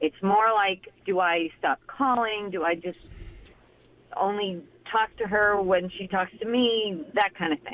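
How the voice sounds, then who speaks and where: A plain, everyday voice: a woman with an American accent, medium pitch, ordinary pitch variation and a fairly slow pace. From California. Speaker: caller. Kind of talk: phone call-in conversation. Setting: phone call.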